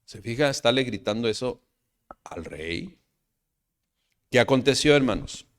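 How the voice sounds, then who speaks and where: A man, preaching a sermon to his congregation, calling them brothers, asking rhetorical questions, and moving between loud emphatic lines and quiet trailing asides. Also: medium pitch, animated, unhurried. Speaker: pastor.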